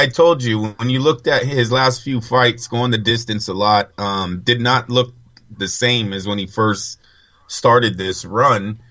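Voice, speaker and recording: A man with a lowish, bright, forceful voice co-hosts a casual chat. He explains his views in a laid-back, analytical way. The recording sounds dull and lo-fi. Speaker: podcast co-host.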